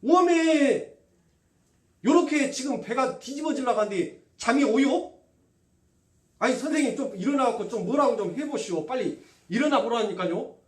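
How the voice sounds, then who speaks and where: A man's voice: very high voice, expressive, moderate pace, roomy sound, far from the mic, pitched above the performer's own voice. A man voicing panicking disciples in a storm-tossed boat, speaking in an exasperated, pleading tone with a Jeolla Korean accent. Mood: panicked.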